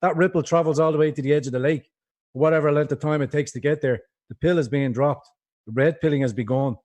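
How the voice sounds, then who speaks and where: A man's voice: on the high side, fast talker, darkish tone. A man with a Dublin accent, a guest on a livestream interview, talking in a rambling, impassioned way over a video call. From Ireland.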